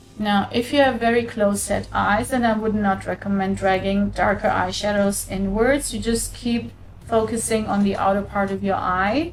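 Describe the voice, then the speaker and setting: In a German accent, a woman with a medium-pitched voice speaks at a moderate pace with fairly even intonation and hardly any pauses, against noticeable background noise and audible room echo. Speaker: makeup artist. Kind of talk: live makeup tutorial. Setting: live stream studio.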